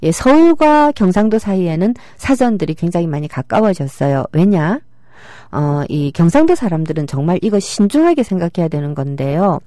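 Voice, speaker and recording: A woman's voice: lowish voice, big pitch swings, normal speed, warm tone, no echo, studio quality. A middle-aged woman giving a public lecture, explaining with rhetorical questions and acting out quoted speech.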